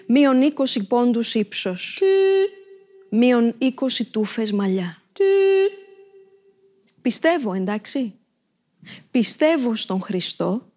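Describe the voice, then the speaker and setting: An actress reading a short story aloud on stage, telling it in the first person with expressive, theatrical delivery. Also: female voice, a little high. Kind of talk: dramatic literary reading.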